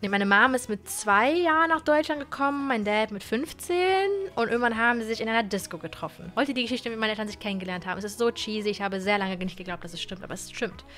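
A woman in her twenties streaming from her gaming room into a boom-arm studio mic, chatting casually and animatedly with viewers, often stumbling and repeating words. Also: quick pace, few pauses, fairly bright tone, faint music behind. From Germany. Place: gaming room with colored wall lights.

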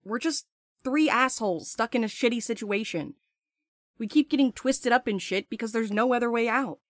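A woman's voice: a little high, moderate pace, dry recording, lightly acted. A woman playing a restless, blunt courier in an audio drama, urgent and sardonic, eager to escape.

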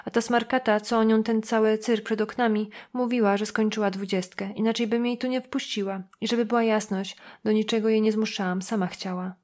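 A woman's voice: mid-range voice, fairly even intonation, a little fast, few pauses, darkish tone, lightly acted. A woman doing a brash mocking woman of thirty. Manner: cocky, mocking, defiant. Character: brash sharp-tongued woman around thirty.

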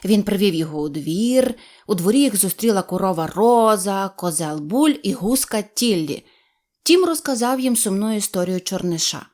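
Animated woman reading a children's tale. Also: medium pitch, moderate pace. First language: Ukrainian. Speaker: storyteller. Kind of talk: scripted audiobook narration for children.

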